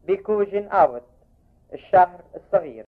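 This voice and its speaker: A man with an Egyptian Arabic accent teaching on a recorded audio lesson, slowly and deliberately pronouncing words and reciting lists for learners to repeat. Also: high voice, lively intonation. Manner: slow, deliberate pronunciation drills, reciting word lists. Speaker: language teacher. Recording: tinny, phone-like tape recording.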